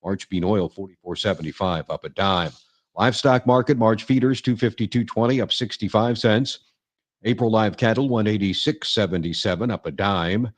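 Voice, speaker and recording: A man's voice: lowish voice, moderate pace, no room sound. A man reading stock and commodity prices as a radio market reporter, in clipped, list-like phrases.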